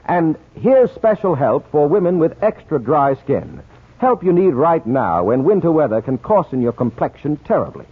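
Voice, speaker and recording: Animated male 1940s radio announcer. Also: normal speed, breathy edge. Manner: polished sales pitch addressed to women. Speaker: radio announcer reading commercial. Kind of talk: scripted 1940s radio advertising. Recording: tinny, narrow old radio recording.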